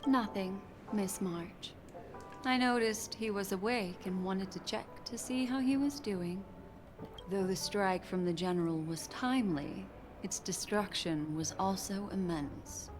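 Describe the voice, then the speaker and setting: An actress playing a poised, mysterious and teasing woman in a video game, measured and coy. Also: medium pitch, music in the background, lightly acted. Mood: composed. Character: poised, mysterious, teasing adult woman, enigmatic fortune-teller type. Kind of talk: video game character acting.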